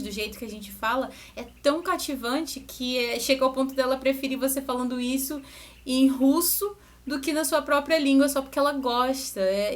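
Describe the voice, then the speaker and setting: A young adult woman, a music teacher, explaining to parents in a relaxed, conversational way with asides and restarts. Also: high-pitched. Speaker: music teacher and channel host. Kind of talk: educational talk to parents.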